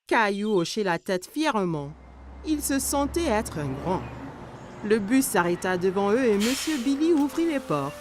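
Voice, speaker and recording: A woman reading scripted narration for a children's cartoon in a clearly phrased storytelling manner. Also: mid-range voice, big pitch swings, measured pace, a little hiss or hum. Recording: music behind the voice. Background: background music.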